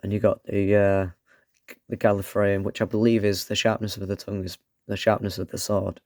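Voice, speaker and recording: A man reviewing a toy with a croaky voice from a cold, rambling and dropping sarcastic asides. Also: on the low side, little pitch movement, brisk, a little mellow, dry recording, studio quality. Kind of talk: casual product review.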